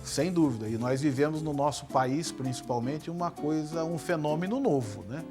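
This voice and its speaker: A man, a head and neck surgeon, giving measured explanations in a TV interview. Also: on the high side, over music. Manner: measured, many tag questions. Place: TV studio.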